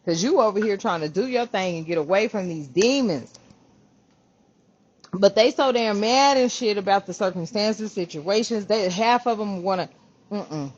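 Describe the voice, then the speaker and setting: A woman host giving a casual spiritual reading, animated and profane, calling her viewers family. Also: medium pitch, normal speed, lo-fi sound, a little hiss or hum. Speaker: spiritual reader, channel host.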